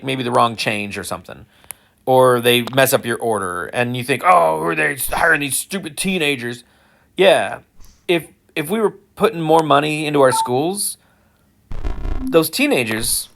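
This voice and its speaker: A middle-aged man muses aloud in a loose, unscripted monologue. He talks at an ordinary pitch for a man, restarts his sentences and lets small chuckles slip in, with a self-deprecating edge. It sounds like someone working out his thoughts as he goes. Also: a bit bright. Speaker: school employee sharing personal views. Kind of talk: casual monologue.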